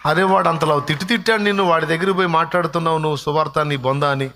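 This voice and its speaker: A preacher playing an angry elder brother who taunts and scolds harshly. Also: male voice, fairly high pitch, steady tone, rapid-fire, faint music behind, pitched above the performer's own voice. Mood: furious. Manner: taunting, shouting insults.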